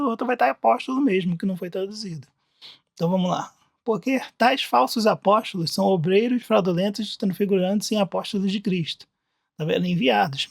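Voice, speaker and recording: A teacher with a Brazilian Portuguese accent explains Bible words from slides in a recorded lesson. The teacher talks conversationally, thinking aloud and often restarting sentences, in a medium-pitched voice. The studio sound is clean, with no echo.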